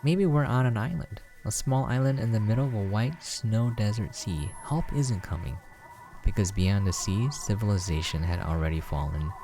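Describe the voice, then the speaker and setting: Low-pitched man reading aloud over music. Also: lively intonation, moderate pace, mellow. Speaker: gameplay preview host. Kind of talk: reading a visual novel aloud with casual asides.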